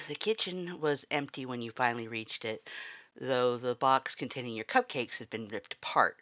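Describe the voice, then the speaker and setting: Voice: medium pitch, normal speed, bright, forceful tone, no echo. Story narrator with a dull, close sound. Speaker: fan fiction reader, narrator. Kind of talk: scripted story narration in second person.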